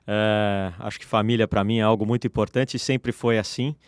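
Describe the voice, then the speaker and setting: A man, a radio guest telling his life story in a relaxed, personal way. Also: lowish voice, brisk, smooth, no room sound, studio quality. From Brazil. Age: 40s. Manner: relaxed, personal, with restarts and fillers. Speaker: guest, entrepreneur. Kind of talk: interview storytelling. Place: radio studio.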